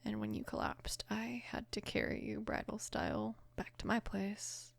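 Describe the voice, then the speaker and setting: A woman of about twenty playing a caring, apologetic mafia boss's daughter in an intimate ASMR roleplay, soft-spoken and hesitant, with a breathy, creaky voice. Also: mid-range voice, huge pitch swings, normal speed, exaggerated voice. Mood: gentle, reassuring. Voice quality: breathy, whispery with heavy creak.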